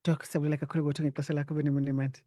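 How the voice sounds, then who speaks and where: A South African woman hosts an interview in a low-pitched voice. She asks conversational questions, recorded close and dry. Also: level tone, racing, warm tone, no room sound. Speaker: interviewer, host.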